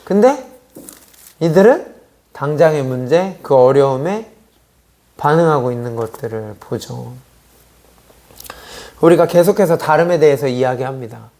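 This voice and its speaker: A man's voice: a little high, expressive, unhurried, pauses often, dark tone. A middle-aged man preaching a sermon at a youth church service, in a conversational way full of rhetorical questions. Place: church sanctuary.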